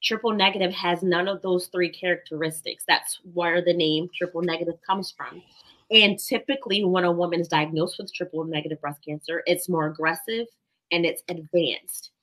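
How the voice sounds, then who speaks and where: A woman in her thirties explains medical facts with calm confidence from a room at home. Her voice is bright and a touch low, picked up by a laptop mic. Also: normal speed, rough recording. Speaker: doctor and guest. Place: home room, video call.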